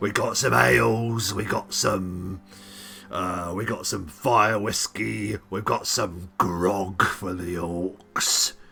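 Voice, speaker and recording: A man's raspy, put-on character voice, very deep and low, at a very slow pace. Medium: actual play. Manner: folksy, casual.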